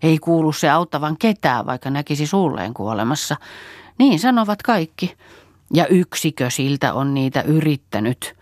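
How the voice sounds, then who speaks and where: A woman's voice: deep voice, big pitch swings, no echo, clean studio sound. A woman reading a scoffing young farm girl. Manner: scoffing, blunt. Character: sharp-tongued young peasant woman.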